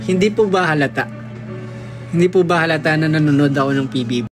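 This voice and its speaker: A man's voice: on the high side, fast talker, music in the background. A young man with a Filipino accent chatting casually on a livestream, reading comments and teasing fans in a playful way. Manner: playful, teasing, mixes Tagalog and English.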